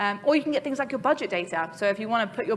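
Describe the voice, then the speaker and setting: Over light background noise, a woman speaks at a very fast pace with lively intonation. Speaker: cloud cost architect, conference speaker; conference speaker. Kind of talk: conference talk. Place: hall.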